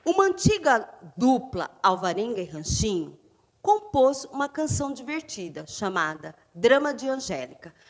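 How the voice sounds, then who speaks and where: A Brazilian woman teaching a fifth-grade class in a remote lesson, stressing syllables loudly as she sounds out words. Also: a little high, sing-song, normal speed. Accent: Brazilian Portuguese.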